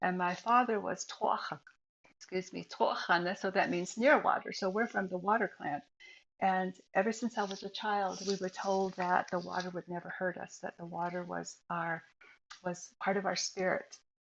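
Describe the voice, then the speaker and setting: A woman with a Southwestern US accent, at a moderate pace with fairly even intonation. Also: medium pitch for a woman. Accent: Navajo-accented English. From Navajo reservation, northern Arizona. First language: Navajo. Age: 60s. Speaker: retired nurse and author sharing her life story. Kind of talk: interview testimony. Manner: halting, with fillers and repeats.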